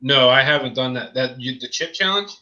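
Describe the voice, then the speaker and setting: A man's voice: medium pitch, fairly quick, bright, forceful tone. A man, chatting casually as a guest on a video call. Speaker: livestream guest. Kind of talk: casual chat. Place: small room indoors. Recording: muffled video-call audio.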